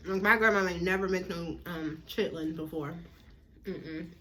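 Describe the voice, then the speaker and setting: A woman from the northern United States with an American accent, chatting casually to viewers as a mukbang host, chewing while talking and pausing to eat. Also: fairly low pitch, steady tone, sharp tone.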